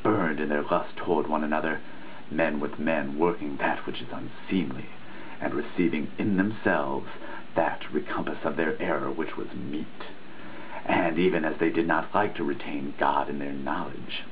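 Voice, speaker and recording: A man giving a dramatic reading of a written text in a measured, declamatory, emphatic manner. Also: rumbling low, steady tone. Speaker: reader, host of a reading series. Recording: muffled phone-like sound, faint noise.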